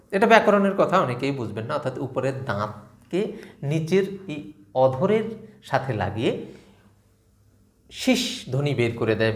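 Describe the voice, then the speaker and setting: A man's voice: mid-range voice, roomy sound. A man from southeastern Bangladesh giving a spoken lesson to viewers, explaining sounds step by step and chuckling now and then at his own jokes. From Feni, greater Noakhali, Bangladesh. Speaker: video lecturer. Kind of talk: explanatory talk to camera.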